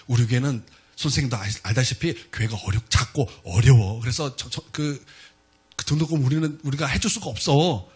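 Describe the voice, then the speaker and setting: Brief: male pastor doing a quiet, apologetic older evangelist, pitched lower. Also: fairly quick, slightly rough.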